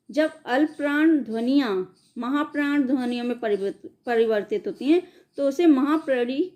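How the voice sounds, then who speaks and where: High-voiced woman teaching a lesson. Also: darkish tone. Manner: explains step by step, asks and answers her own questions. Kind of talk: exam-prep lecture.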